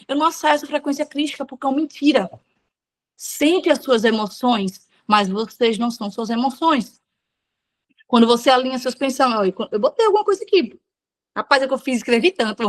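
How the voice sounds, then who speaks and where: A woman with a high, bright voice leads a casual devotional for women. She preaches frankly, dropping in slang and talking to listeners as friends. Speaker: devotional speaker. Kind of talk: informal devotional talk.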